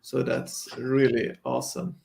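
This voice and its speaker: A man's voice: measured pace, a little mellow. A man hosting a live online talk show, chatting in a loose, friendly way on a video call. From Belgium. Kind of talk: casual hosting.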